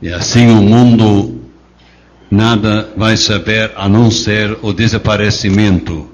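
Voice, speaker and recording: A man with a Brazilian Portuguese accent asking questions slowly in a group Bible study. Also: on the low side, fairly even intonation, lo-fi sound.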